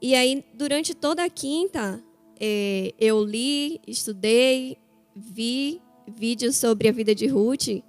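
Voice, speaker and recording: A woman's voice: a little high, slow, faint music behind. Chatty Bahian woman preaching in church. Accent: Bahia Portuguese. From Bahia, Brazil. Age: 30s. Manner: chatty, storytelling, frequent "né". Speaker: guest preacher. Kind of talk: church sermon to camera.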